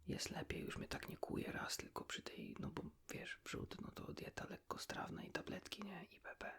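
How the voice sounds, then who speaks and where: A man speaking in a hushed, breathy whisper, chatting casually and confidingly as if to a friend in an ASMR style. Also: moderate pace. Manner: colloquial, rambling, ends phrases with a tag question. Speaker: ASMR creator talking to the listener as a friend.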